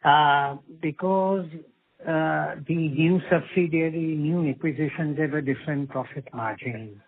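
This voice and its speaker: A man with an Indian accent speaks over a tinny, narrow phone line. His voice is husky and a little high, and he lays out financial questions in a halting, deliberate way. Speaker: investor or analyst asking questions on an earnings call. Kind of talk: question and answer on a business conference call. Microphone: phone conference call.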